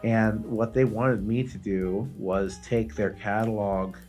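Low-pitched man in casual conversation. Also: fairly even intonation, slow pace, darkish tone, soft background music. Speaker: podcast co-host. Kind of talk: casual chat, anecdotes with swearing.

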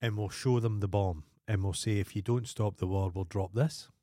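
A man's voice: lowish voice, steady tone, moderate pace, mellow, dry recording, clean studio sound. A Scottish man co-hosting a podcast, telling rambling sweary stories in casual banter. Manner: rambling, sweary storytelling with wild sung outbursts. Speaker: podcast co-host.

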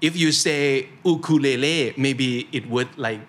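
A man with a Thai accent hosting a relaxed conversation and sharing his own stories in Thai and English. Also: mid-range voice, drawn-out words. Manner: reflective, tells anecdotes. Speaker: host.

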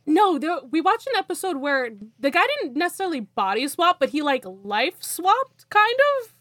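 A woman's voice: high-pitched, sing-song, normal speed, a bit bright, no echo, studio quality. A woman co-hosting a podcast in casual chat, swearing and laughing easily. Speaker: podcast co-host.

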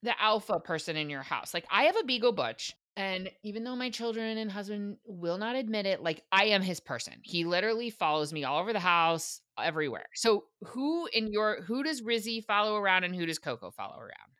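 A woman hosting a casual interview, bubbly and quick to laugh, asking her guest questions. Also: mid-range voice, animated, a bit bright, no room sound, clean studio sound. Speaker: host.

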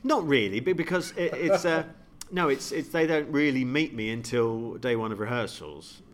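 A man's voice: medium pitch, lively intonation, moderate pace, a little hiss or hum. A man, a comedian chatting playfully and enthusiastically as an interview guest. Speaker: guest, comedian and pantomime actor. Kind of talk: animated interview chat with comic wordplay.

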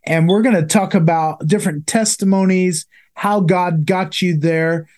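A man's voice: high voice, steady tone, measured pace, darkish tone. A man hosting a Christian podcast, interviewing a guest with enthusiastic, affirming remarks and long reflective questions. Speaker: podcast host.

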